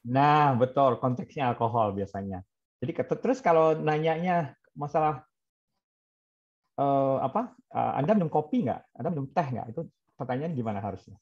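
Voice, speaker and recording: A man's voice: mid-range voice, animated, moderate pace, darkish tone, muffled recording. A man leading a training class, quizzing trainees and mixing English example phrases into his explanations. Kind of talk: interactive online class.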